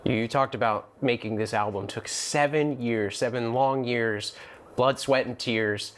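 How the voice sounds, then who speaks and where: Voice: mid-range voice, steady tone, unhurried, a little hiss or hum. A TV news host asking questions in a studio interview, with polished, upbeat delivery. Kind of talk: broadcast interview hosting.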